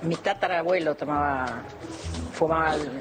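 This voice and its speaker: Woman, low pitch, teasing, casual, TV clip with background music. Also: steady tone, normal speed. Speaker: reality show contestant. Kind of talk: casual chat.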